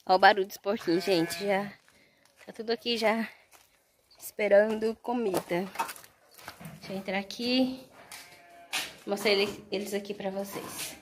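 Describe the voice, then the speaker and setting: A woman's voice: mid-range voice, steady tone, unhurried, pauses often, background noise. Chatty woman filming her farmyard. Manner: chatty, keeps addressing viewers directly. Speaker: vlogger. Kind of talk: casual farm vlog. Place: outdoor farmyard with animals.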